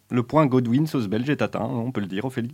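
A man with a normal speaking voice and ordinary pitch variation is heard on a very clean recording with a silent background. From Brussels, Belgium (Ixelles). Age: 20s. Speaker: student radio host. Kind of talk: scripted radio narration. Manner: theatrical, playful.

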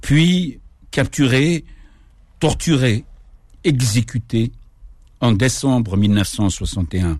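Over a very clean, silent background, a man with a medium pitch speaks at a very slow pace, somewhat breathy, with lively intonation and long, frequent pauses. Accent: Algerian. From Kabylie, Algeria. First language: Kabyle (speaking French). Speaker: poet. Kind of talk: radio interview. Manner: halting.

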